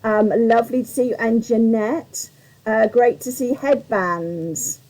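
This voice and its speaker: A woman hosts a live-streamed craft demonstration, chatting in a rambling manner with lots of fillers and greeting viewers by name. Her fairly high voice is mellow and warm with a slight croak, she speaks slowly, and the audio quality is poor.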